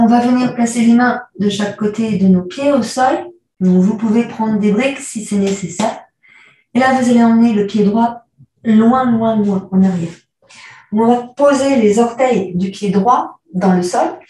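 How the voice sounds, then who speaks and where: Slow, soft-toned woman teaching yoga. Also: fairly high pitch, far from the mic. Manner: calm, cueing breath and movement step by step. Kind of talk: guided yoga class instruction. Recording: echoey room, voice from afar.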